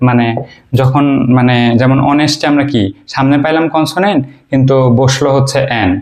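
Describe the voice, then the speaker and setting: A man's voice: fairly high pitch, darkish tone. Bangladeshi man teaching in a question-and-answer style. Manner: explains step by step, asks the listener questions and answers them himself; frequent hesitations and fillers while he thinks. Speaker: English teacher. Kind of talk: informal video lecture.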